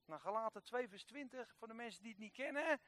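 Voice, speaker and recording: A man preaching a sermon, telling a Bible story in a lively way and acting out the characters, with sudden jumps from quiet to loud. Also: extremely high pitch, fairly quick.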